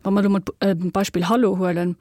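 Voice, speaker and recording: A young woman with a Luxembourgish accent, a linguist guest explaining her research in a radio studio, measured and full of fillers. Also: medium pitch, flat delivery, a little mellow, dry recording.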